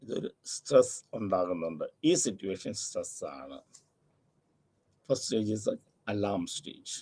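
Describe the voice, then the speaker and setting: A man's voice: low voice, lively intonation, measured pace, a little mellow, slightly rough. A man giving a recorded university psychology lecture, explaining step by step and repeating key terms, with English phrases mixed into his talk.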